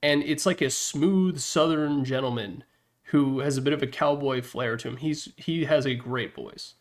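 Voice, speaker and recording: Man, medium pitch, casual gaming presenter, slangy phrasing, emphatic opinions, conversational delivery. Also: moderate pace. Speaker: presenter ranking game announcer packs. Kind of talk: casual, opinionated video game commentary.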